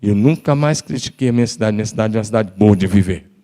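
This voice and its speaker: A man's voice: fairly low pitch, fast, warm tone. A middle-aged man preaching a sermon in a large church, telling personal stories and building to emphatic exhortation. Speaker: pastor.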